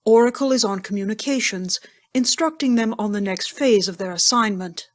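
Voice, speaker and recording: A woman's voice: medium pitch, normal speed. A woman reading scripted scene narration for an audio drama.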